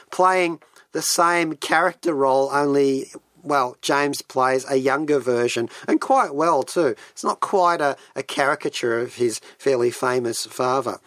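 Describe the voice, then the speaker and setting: A man's voice: on the high side, unhurried, a bit bright, dry recording. Geeky male radio host, dry close sound. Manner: geeky, enthusiastic, rambling asides. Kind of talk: chatty solo radio monologue. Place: radio studio.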